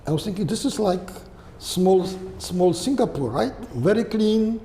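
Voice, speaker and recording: Older Polish-accented man, mellow and halting. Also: high voice, lively intonation. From Poland. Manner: halting, often tagging "okay?" and "right?". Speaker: guest. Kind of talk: conversational interview answers. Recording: echoey room with long reverb and faint hiss.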